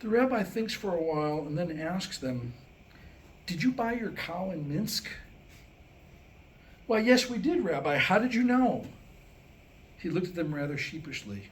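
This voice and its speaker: Unhurried, with long pauses, a man in a very animated, high-pitched voice acts out the dialogue of Jewish jokes for a small live gathering. He's the joke teller at a staged script reading held in a room. The live recording picks up plenty of room noise.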